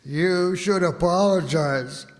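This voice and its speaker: A stubborn, literal-minded old man in a vintage radio comedy. He drawls his replies slowly with a fairly high, lively lilt. The old broadcast carries a long hall reverb. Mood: deadpan. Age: older.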